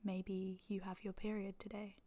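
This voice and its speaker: A woman guides a relaxation practice in a hushed, breathy voice. Her intonation stays level and barely moves. She is gentle and soothing, leaving long pauses between short phrases. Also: medium pitch, level tone. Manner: soft, breathy, near-whispered delivery. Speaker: yoga nidra meditation guide. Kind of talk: guided meditation.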